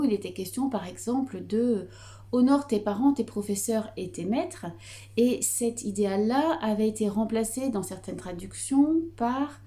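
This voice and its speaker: A middle-aged woman with a Breton French accent, teaching Reiki calmly with frequent hesitations and fillers. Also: medium pitch. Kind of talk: explanatory video lesson.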